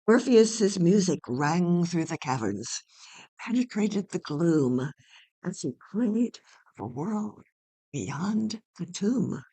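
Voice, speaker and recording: A woman's voice: lowish voice, sing-song, takes it slowly, warm tone, breathy edge. A woman reading a play's narration as dramatic storytelling. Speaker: narrator and playwright.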